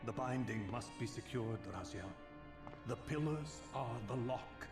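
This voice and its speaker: A man playing an ancient, benevolent vampire mentor in a video game, grave and solemn, with formal, measured phrasing. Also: mid-range voice, close to an everyday voice. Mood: solemn, reverent. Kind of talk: dramatic video game acting. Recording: echoing reverberant chamber sound. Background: game music.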